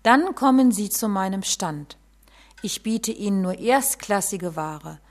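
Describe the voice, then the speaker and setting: Woman, sales pitch, persuasive barker calls, middle pitch. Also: animated, unhurried.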